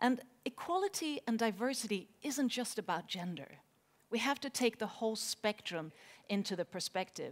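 A woman with a fairly high voice speaks, her pitch swinging very widely up and down. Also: moderate pace. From London. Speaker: conference host. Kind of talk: conference opening address. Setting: stage with audience. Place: stage. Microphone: headset.

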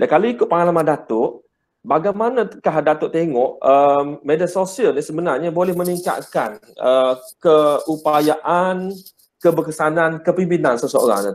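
Lively intonation marks this man's high-pitched voice. He speaks at a fairly slow pace. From Malaysia. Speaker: webinar moderator. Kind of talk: formal interview. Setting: video call. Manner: formal. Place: office. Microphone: earbuds.

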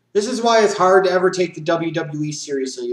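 Loud and high-pitched, a man's voice comes through with audible room echo. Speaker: wrestling commentator YouTuber. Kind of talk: angry rant about wrestling news, sarcastic and indignant. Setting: home video recording for YouTube. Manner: loud, indignant, exasperated, emphatic repetition; sarcastic, incredulous. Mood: annoyed, incredulous. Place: home room.

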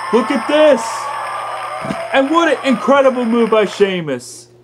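A man speaks at an extremely high pitch for his sex, very slowly. Crowd noise fills the background. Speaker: wrestling commentator. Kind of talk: live wrestling play-by-play commentary. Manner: animated, building suspense on pin counts. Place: home room. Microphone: camera far.

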